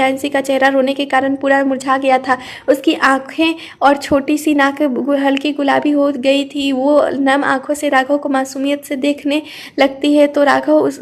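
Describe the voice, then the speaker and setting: High-voiced woman narrating a story. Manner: steady reading with small slips and restarts. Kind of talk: scripted audio story narration.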